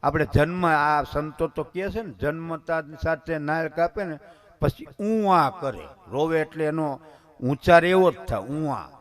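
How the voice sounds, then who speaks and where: A man's voice: a little high, measured pace. Folksy male preacher. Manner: folksy, conversational, addresses listeners as bapu. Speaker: katha preacher. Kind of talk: devotional sermon.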